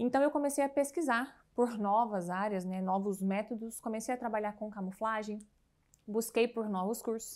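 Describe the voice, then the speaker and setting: A woman with a fairly high pitch speaks at a moderate pace with ordinary pitch variation. The background is quiet. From Minas Gerais, Brazil (small interior town). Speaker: beauty entrepreneur and cosmetologist; interview guest. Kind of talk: interview. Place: studio. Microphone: lapel.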